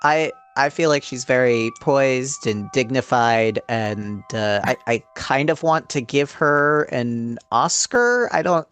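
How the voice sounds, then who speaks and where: A man talking casually and haltingly as a player in a tabletop role-playing game. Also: medium pitch, lively intonation, fairly bright tone, clean tone, faint music behind. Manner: hesitant, halting.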